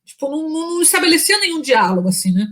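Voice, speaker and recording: Sing-song and racing, a woman's high-pitched, fairly bright voice carries a story she tells during a casual interview. She is a psychology professor who chats freely, with many fillers and restarts, acting out quoted speech along the way.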